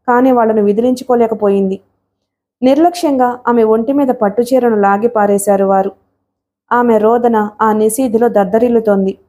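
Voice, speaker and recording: A woman narrating a dramatic novel in a steady, expressive storytelling voice. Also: on the high side. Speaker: audiobook narrator.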